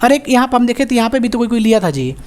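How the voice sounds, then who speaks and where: A woman teacher with a Bihari Hindi accent, lecturing a class and firing quick call-and-response questions, joking and scolding as she goes. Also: fairly high pitch, very animated, a little mellow. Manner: quizzing students with rapid call-and-response questions.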